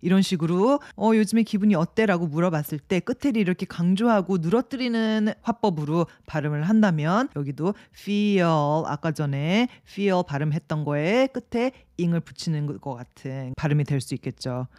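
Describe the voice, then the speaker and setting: A woman's voice: fairly low pitch, animated, a little mellow, no echo, clean studio sound. Woman teaching English sounds. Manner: demonstrates English words slowly, drawn out and repeated. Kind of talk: video lesson.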